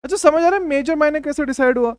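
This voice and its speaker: A man's voice: very high-pitched, fast talker, no room sound. A young man giving an exam-prep chemistry lecture, emphatic, repeating key phrases and calling students "my brother". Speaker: chemistry teacher.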